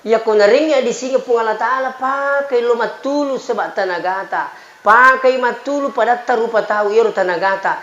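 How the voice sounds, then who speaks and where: Through echoey, muffled PA audio with crowd murmur and light noise, a man in his forties with a Bugis accent preaches a lighthearted, folksy Muslim sermon in two languages. He banters and repeats phrases to his listeners in an extremely high, fairly bright voice at a normal pace.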